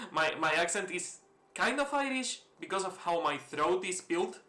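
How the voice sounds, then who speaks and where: Gaming host, male, Spanish-influenced accent, bright edgy voice, loose swearing play-along chatter. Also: sits high, expressive, measured pace. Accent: mixed, Spanish-influenced. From Spain. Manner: rambling, swears freely, chuckles often. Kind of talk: casual let's-play commentary. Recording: roomy echo, faint hiss.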